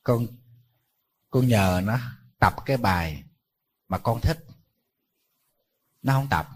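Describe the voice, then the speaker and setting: A husky-voiced man, a Buddhist monk, delivers a sermon. He tells it like a conversation, relating stories and asking his listeners rhetorical questions. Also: medium pitch, animated, slow. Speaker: Buddhist monk giving a dharma talk.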